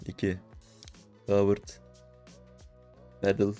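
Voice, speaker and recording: Young man, low voice, excitable gaming commentary, swears a lot, faint music behind. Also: slow pace. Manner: excitable, swears, shouts when winning. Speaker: gaming streamer.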